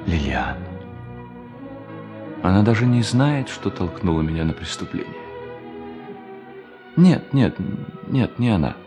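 Radio drama lead: low-pitched male fugitive, bitter and self-tormenting, theatrical soliloquy, music underneath. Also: big pitch swings, slow pace, long pauses, exaggerated voice. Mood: bitter, agitated. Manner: theatrical soliloquy, swinging between muttering and solemn declamation. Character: brooding fugitive bank thief, bitter, lonely, self-tormenting man. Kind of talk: theatrical radio play monologue.

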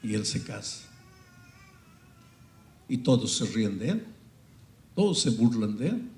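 A male pastor preaching a sermon, dramatic and storytelling, swinging between loud peaks and hushed passages. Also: lowish voice, big pitch swings, a little slow, roomy sound, faint music behind.

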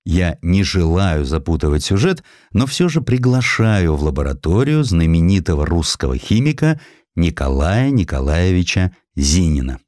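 A man's voice: deep voice, very animated, moderate pace, a little mellow, dry recording, clean studio sound. A man narrating historical sketches as a scripted audiobook, in a theatrical storytelling manner that addresses the listener.

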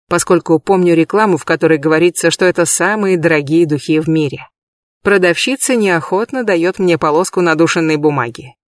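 A man giving a measured, lightly expressive first-person audiobook reading, recorded close in a booth. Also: fairly high pitch, dry recording. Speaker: audiobook reader.

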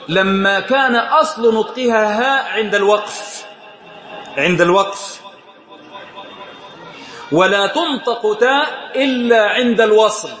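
Egyptian sheikh, high voice, teaching casually and quizzing listeners with laughs; echoey room. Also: male voice, fairly bright tone. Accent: Egyptian Arabic. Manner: questioning the audience, laughing often. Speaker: sheikh teaching a religious study circle. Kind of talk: informal religious lesson.

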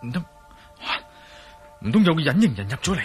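Wry cantonese hero muttering to himself, faint music underneath. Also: male voice, a little high, very animated, fairly quick. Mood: musing. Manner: wry, muttering inner monologue. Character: wry, cool-headed male adventurer hero. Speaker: lead and narrator of his own thoughts. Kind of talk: Cantonese radio drama acting.

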